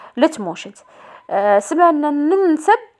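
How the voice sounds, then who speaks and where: A woman's high voice with very wide pitch swings, against a quiet background. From Algeria, Tlemcen; Algeria. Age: 30s. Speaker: cooking and home routine vlogger; home routine vlogger. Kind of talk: casual vlog talk to viewers. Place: kitchen. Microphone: phone near.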